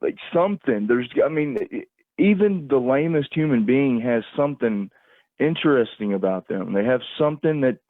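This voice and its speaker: A man calling in to a livestream over a phone, rambling casually in a halting, repetitive way as he searches for words. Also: medium pitch, lively intonation, no echo. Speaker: call-in caller on a livestream. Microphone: phone call. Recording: tinny, narrow phone-call line, dry.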